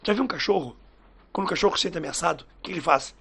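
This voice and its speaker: A man's voice: on the high side, very fast, vocal fry, slightly rough. A man, hosting a casual podcast chat and telling stories, acting out the quoted dialogue as he goes. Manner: lively storyteller who acts out quoted dialogue.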